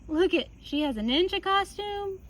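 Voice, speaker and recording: A woman reading a picture book aloud like a teacher, with casual asides and expressive, drawn-out emphasis on key words. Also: very high voice, slight background noise, poor audio. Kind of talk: children's story read-aloud with casual asides.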